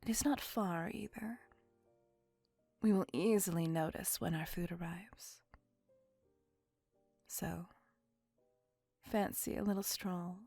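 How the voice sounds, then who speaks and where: A woman voicing a possessive, doting, centuries-old female vampire in an ASMR roleplay, whispering softly with formal, old-fashioned phrasing. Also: lowish voice, fairly even intonation, slow, vocal fry, pauses often, breathy edge, dry recording, faint music behind, heavily acted. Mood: wistful. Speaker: voice actor.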